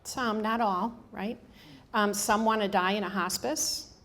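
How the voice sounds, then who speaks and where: A woman's voice: mid-range voice, steady tone, measured pace, fairly bright tone. A woman in her fifties with a strong Michigan accent, giving a casual public talk to an audience with many ums and restarts. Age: 50s. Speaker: hospice staff speaker. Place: room with a live audience.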